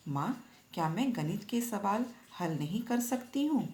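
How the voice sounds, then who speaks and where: A woman's voice: mid-range voice, expressive, measured pace, darkish tone. A woman teacher voicing an unhappy young schoolgirl who struggles with maths, read plaintively from a storybook. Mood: upset, plaintive. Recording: echoey room.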